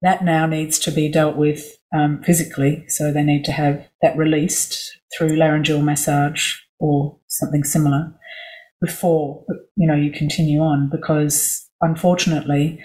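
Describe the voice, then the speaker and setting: A woman vocal coach guest on a podcast interview, explaining at a measured pace with many asides. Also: deep voice, little pitch movement, darkish tone, rough recording.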